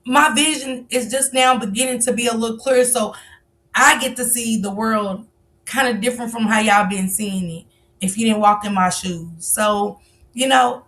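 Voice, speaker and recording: A livestream host in her 40s, medium-pitched with a fairly bright tone, chats casually and confessionally with her viewers on a livestream mic, talking directly to them and calling them baby.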